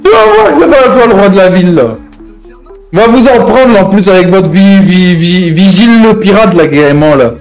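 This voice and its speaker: A man's voice: sits high, expressive, moderate pace, faint music behind, rough recording. A man playing a hot-headed, menacing gang member in an improvised online crime roleplay, talking in slang with repeated verbal tics. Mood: angry, menacing.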